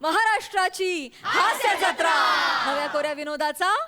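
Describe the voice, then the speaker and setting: High-voiced Marathi woman announcer. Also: normal speed, very noisy. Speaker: show presenter. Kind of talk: scripted show introduction.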